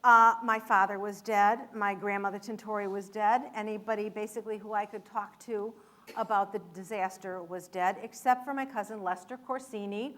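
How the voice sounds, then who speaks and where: A woman's voice: medium pitch, steady tone, normal speed, a bit bright. A woman from Michigan, an author, telling a family story in a conversational public talk with a few restarts. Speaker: author speaking at an event.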